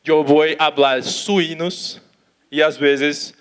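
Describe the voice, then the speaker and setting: A man with a Brazilian accent, a native Portuguese speaker who cannot roll his R, giving an informal conference talk haltingly, mixing in Portuguese words and checking that listeners follow. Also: on the high side, fairly even intonation, a bit bright, clear, resonant tone. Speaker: animal welfare consultant giving a talk.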